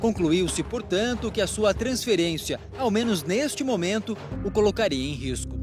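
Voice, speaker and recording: A man speaks formally and deliberately in a high voice for a man. Clear music runs behind him. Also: expressive. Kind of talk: formal statement on a legal case.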